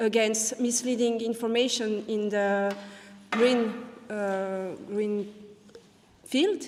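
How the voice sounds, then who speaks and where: A woman with a French accent speaks very slowly, with long, frequent pauses, a fairly high pitch and fairly even intonation. Noticeable background noise and audible room echo fill the recording. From French-speaking Switzerland. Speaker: panel chair at academic conference. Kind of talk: conference panel introduction.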